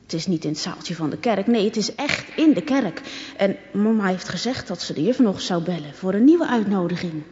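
A woman reading a children's story aloud in a lively, expressive way. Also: mid-range voice, normal speed. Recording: echoey, dull recording.

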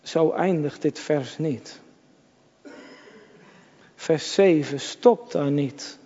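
A man's voice: fairly high pitch, extremely slow, warm tone. A man preaching a sermon to his congregation in church, emphatic and repetitive, addressing his listeners directly. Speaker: pastor. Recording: dull lo-fi church recording with long reverb.

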